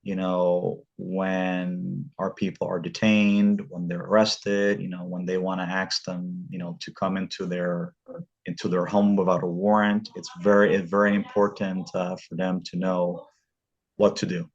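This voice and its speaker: Man, very low voice, podcast host, halting, repeats words, dull lo-fi sound. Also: little pitch movement. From Southern California. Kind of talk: casual interview.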